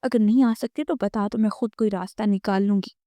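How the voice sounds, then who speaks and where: Woman doing a desperate young woman, tearful and pleading, mellow voice, dry sound, audio novel. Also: mid-range voice, fairly even intonation, dry recording, lightly acted.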